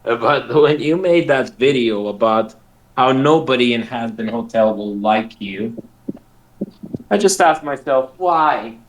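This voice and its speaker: A man in a casual chat on a call, speaking haltingly and laughing between phrases. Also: medium pitch, expressive, poor audio. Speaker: guest on a call.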